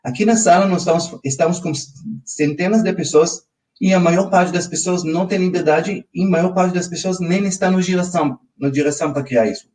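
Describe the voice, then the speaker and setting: This high-voiced financial coach from Israel talks briskly, his Hebrew-native Israeli accent clear as he runs a live online finance lesson. He energetically checks in with his audience again and again, tossing out "ok?" often. The mic is far away and the recording quality is rough.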